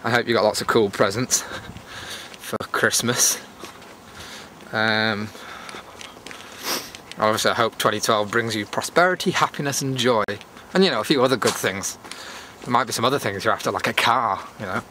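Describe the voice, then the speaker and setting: Out on a cold evening walk, a British man hosts his YouTube vlog, rambling casually through a chatty, meandering walk-and-talk. His voice sits on the low side with a sharp tone, normal speed and long pauses. The outdoor background noise comes through clearly.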